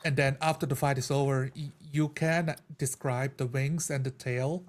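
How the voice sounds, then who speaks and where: A man's voice: mid-range voice, fairly even intonation, normal speed. A man talking casually as a tabletop roleplay player, recounting play and acting out little reactions as he goes. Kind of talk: casual game recap chat.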